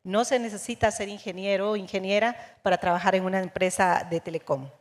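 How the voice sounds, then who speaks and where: A woman's voice: medium pitch, fairly even intonation, brisk. A woman from Guatemala, an executive, answering as a panelist in a fluent, composed way. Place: conference stage. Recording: long hall reverb.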